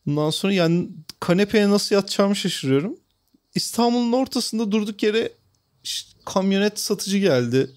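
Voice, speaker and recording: A man's voice: high-pitched, lively intonation, normal speed. A man co-hosting a podcast, casually telling a comic anecdote and laughing often. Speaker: podcast co-host. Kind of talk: casual chat, funny anecdote.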